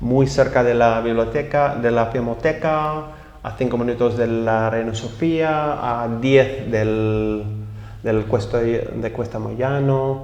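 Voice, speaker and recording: A man talks at a very slow pace. There is audible echo in the room. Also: medium pitch for a man. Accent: English. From Texas, US. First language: English (speaking Spanish). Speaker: writer and translator. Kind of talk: interview. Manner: halting.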